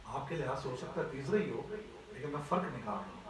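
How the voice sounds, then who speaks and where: A man's voice: medium pitch, animated, very echoey, recorded from a distance, a loud crowd, poor audio. A man teaching a class on Quran recitation, explaining step by step and often checking that his students follow. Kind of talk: classroom voice lesson.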